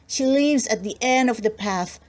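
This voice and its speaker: Little Red Riding Hood, as a woman reads her: high, sweet little girl. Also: normal speed, lightly acted. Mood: childlike. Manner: sweet, excitable. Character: little girl, eager and easily distracted.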